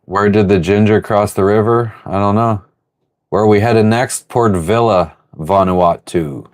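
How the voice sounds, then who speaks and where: A man hosting a casual livestream from his sailboat, reading viewer comments aloud and rambling through relaxed answers. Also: fairly low pitch, a little slow. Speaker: livestream host answering chat. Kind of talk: casual live chat. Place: on board a sailboat.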